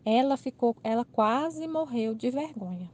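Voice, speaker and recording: Telling a casual story at a measured pace, this channel host recounts an everyday mix-up in a Brazilian Portuguese accent. Her slightly high voice is animated and chatty, and she laughs while voicing the others' lines as quoted dialogue.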